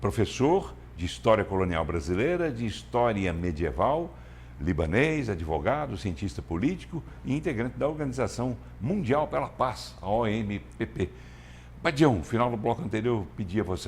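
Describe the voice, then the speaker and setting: A man's fairly low voice with vocal fry, very wide pitch swings and a moderate pace. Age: 70s. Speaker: TV interview host. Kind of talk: interview.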